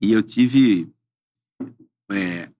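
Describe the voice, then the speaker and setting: A man, a podcast guest speaking in a measured, earnest way. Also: on the low side, warm tone. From southern Brazil. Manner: measured, earnest, often says "perfeitamente". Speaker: interview guest. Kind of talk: interview chat.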